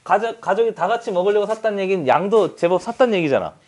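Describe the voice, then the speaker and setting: Talking fast in a high, animated, darkish voice, a man teaches a math lesson full of chatty teasing. He keeps checking that the students agree with him.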